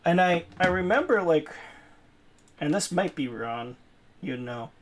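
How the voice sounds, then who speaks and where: A man's voice: a little high, lively intonation, a little slow. Chatty young man playing a game. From New England. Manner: chatty, rambling, laughs easily. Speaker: gaming channel host. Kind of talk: casual let's-play commentary.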